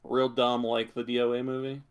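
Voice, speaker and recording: A man's voice: medium pitch, monotone, normal speed, smooth. A man co-hosting a podcast in casual chat, laid-back and a little hesitant. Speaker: podcast co-host.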